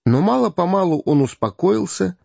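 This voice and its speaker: A man narrating an audiobook in an expressive storytelling manner. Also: high-pitched, moderate pace, vocal fry, slightly rough, no room sound. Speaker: audiobook reader. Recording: dull, dry lo-fi recording.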